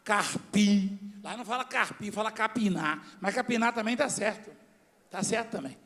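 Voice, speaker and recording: A middle-aged man from Brazil preaching a sermon as a bishop, telling stories and shifting from hushed tones to shouts. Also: high-pitched, moderate pace. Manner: storytelling preacher, mimics voices, swings from hushed to shouting.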